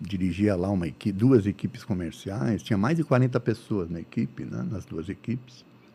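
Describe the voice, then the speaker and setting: A man's dark, mellow voice at fairly low pitch, with vocal fry, lively intonation, a moderate pace, and hardly any pauses. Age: 60s. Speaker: spiritist lecturer. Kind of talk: interview testimony.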